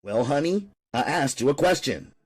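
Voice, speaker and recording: A man's voice: a little high, sing-song, moderate pace, slightly rough, voice pushed up. A man voicing an impatient, street-smart middle-aged woman who wheedles and snaps. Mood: wheedling. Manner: wheedling, then curt, street slang. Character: sharp, impatient middle-aged female handler.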